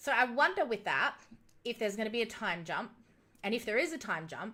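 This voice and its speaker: A woman's bright, sharp voice in an Australian accent, with lively intonation. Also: very clean recording, silent background. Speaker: YouTuber. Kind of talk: live stream chat. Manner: stutters when excited.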